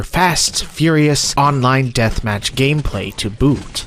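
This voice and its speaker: A man's voice with music in the background. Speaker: retro gaming YouTuber. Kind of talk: video game review voice-over.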